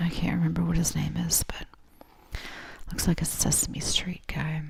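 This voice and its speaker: Soft-spoken whispering comes at a fairly slow pace over noticeable background noise. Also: woman. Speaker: ASMR creator. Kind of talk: ASMR magazine flip-through, casual talk to viewers. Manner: soft-spoken, whispered.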